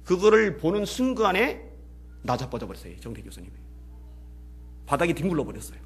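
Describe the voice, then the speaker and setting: A man preaching as pastor, telling a story and swinging between hushed passages and loud, emotional peaks. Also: on the high side, big pitch swings, a little fast, slight background noise. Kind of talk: sermon. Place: church.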